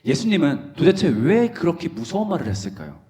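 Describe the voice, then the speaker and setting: A man preaching a lively sermon to a youth conference, quizzing the audience and acting out scenes playfully. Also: a little high, fairly quick. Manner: animated, questioning the audience, playful.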